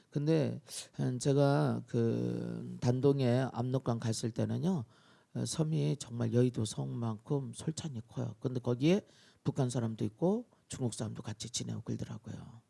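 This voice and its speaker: A male pastor preaching a dawn-prayer sermon, telling the story in an animated way and acting out scenes. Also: medium pitch, vocal fry.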